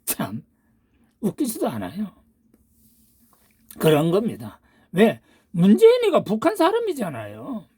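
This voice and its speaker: A woman's voice: mid-range voice, huge pitch swings, a little slow, long pauses, warm tone, slightly rough, no room sound, clean studio sound. An older woman giving a political monologue as a channel host, ranting with rhetorical questions and insults.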